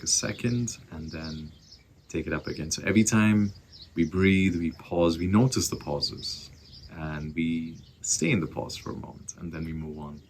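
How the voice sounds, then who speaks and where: A man teaching a guided breathing class, giving slow, soft, calm cues with long pauses. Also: deep voice, a little hiss or hum. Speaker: breathwork instructor.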